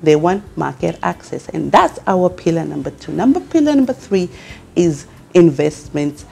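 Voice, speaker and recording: A husky, slightly creaky and a little mellow voice on the low side carries this expressive, moderately paced address to camera. The speaker is a middle-aged Kenyan woman with a Kenyan accent, founder and CEO of a women's network, earnestly asking rousing questions. She is indoors, in a furnished studio lounge with a fireplace.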